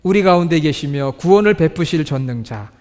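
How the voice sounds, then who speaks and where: A high-pitched man delivers a sermon in a church sanctuary. He puts questions to his listeners and slows down to read scripture. His voice rings with the long reverb of the hall. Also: expressive, a little mellow. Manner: asks the congregation questions, reads scripture slowly. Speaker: pastor.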